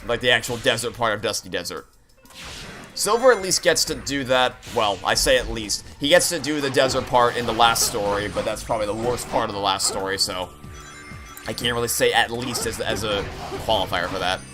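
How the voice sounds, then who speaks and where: A man's voice: mid-range voice, fairly quick. A man streaming a video game, chatting casually and rambling with dry sarcastic asides. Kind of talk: casual livestream chat and game commentary. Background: game music.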